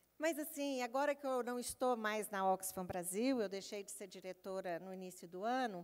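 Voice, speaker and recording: In an unremarkable speaking voice, a woman with a fairly high pitch talks at a moderate pace with lively intonation, big swings in loudness and hardly any pauses. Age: 60s. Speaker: sociologist and activist. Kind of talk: conference panel talk.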